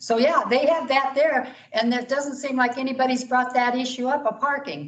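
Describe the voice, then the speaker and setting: Noticeable background noise sits behind this recording. A woman with a Midwestern US accent talks at a fairly quick pace. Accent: US Midwest. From Iowa, West Des Moines. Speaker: resident at public meeting. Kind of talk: public comment. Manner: loud; halting.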